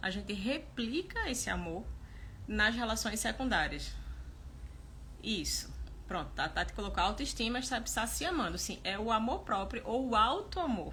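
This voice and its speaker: A woman talks at a moderate pace amid audible room echo. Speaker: self-help coach. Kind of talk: live stream talk. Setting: live stream.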